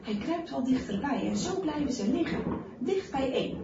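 A woman reading a story aloud, animated and dropping to a whisper in tense passages. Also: high-pitched, moderate pace. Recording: distant, roomy, dull recording with faint hiss.

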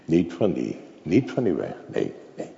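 A man's voice: rumbling low, huge pitch swings, unhurried, creaky, warm tone. An older man preaching a sermon in a church, dramatic and full of rhetorical questions to the congregation. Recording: echoey, dull church recording.

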